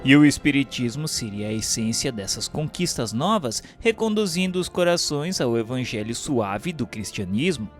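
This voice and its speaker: A man's voice: mid-range voice, very animated, moderate pace, few pauses. Solemn Brazilian male narrator over music. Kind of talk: solemn scripted audiobook-like narration. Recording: music bed under the voice. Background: instrumental music.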